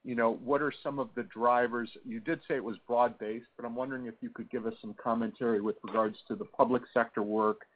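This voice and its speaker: Male analyst phoning in questions to an earnings call, husky, halting delivery, thin telephone sound. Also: mid-range voice, fairly even intonation. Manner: halting, searching for words. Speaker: financial analyst asking questions. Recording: narrow muffled phone line.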